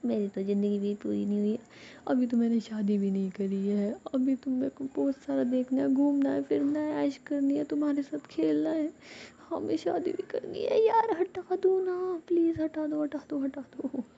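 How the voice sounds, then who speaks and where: A woman doing a shrill, easily frightened young woman. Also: steady tone, moderate pace, vocal fry, dark tone, highs cut off. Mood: scared, pleading. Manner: shrill, pleading and fussy.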